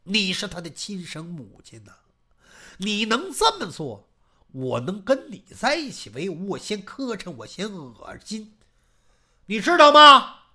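A woman storyteller voicing a blunt, righteous old female servant who scolds her mistress in rapid tirades. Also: mid-range voice, huge pitch swings, fairly bright tone, slightly rough, exaggerated voice. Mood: furious.

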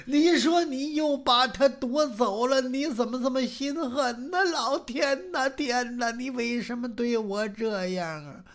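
A scheming young man wails in feigned grief, put on by a traditional storyteller. His cries run high and slow, stretched into long sobbing pleas, and break into shouts. The voice carries a gravelly edge.

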